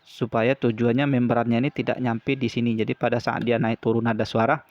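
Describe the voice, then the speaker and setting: A man explaining a hands-on repair step by step in an informal, halting, repetitive way. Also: mid-range voice, little pitch movement, a little mellow, no room sound, muffled recording. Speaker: repair tutorial presenter.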